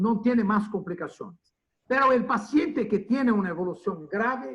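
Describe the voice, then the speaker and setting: In a Brazilian accent, a man talks in a high pitch. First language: Portuguese (speaking Spanish). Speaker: physician, infectious disease lecturer. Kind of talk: Q&A after lecture.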